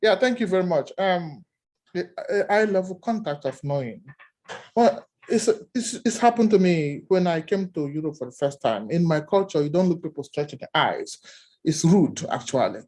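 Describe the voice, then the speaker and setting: A man with a Nigerian accent, giving animated seminar remarks as an academic discussant and telling stories with many repeated words. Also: on the high side, moderate pace.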